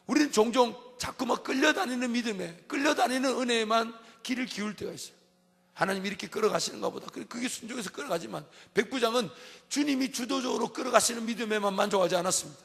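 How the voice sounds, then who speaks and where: A male pastor preaching an emphatic dawn-service sermon, repeating his refrains and swinging between soft and loud passages. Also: sits high, creaky. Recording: long church hall reverb.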